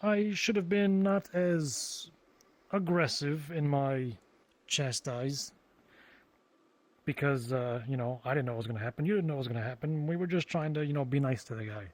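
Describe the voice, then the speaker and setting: A man improvising in-character conversation, informal, halting and rambling as he talks. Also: on the high side. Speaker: roleplayer in a virtual reality game.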